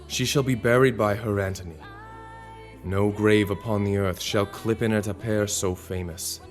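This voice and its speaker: An actor playing a grave, commanding Roman ruler, speaking formal, measured verse in a Shakespearean audio drama. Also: male voice, on the low side, steady tone, soft background music, natural voice. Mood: solemn, commanding.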